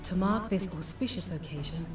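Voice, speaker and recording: A woman playing a dignified, solemn noblewoman in a fantasy game, speaking formally and with measured courtesy. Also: on the low side, close to an everyday voice. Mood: solemn, humble. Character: dignified, solemn foreign noblewoman pleading for refugees. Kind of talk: scripted fantasy game acting. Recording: roomy, distant game audio under music.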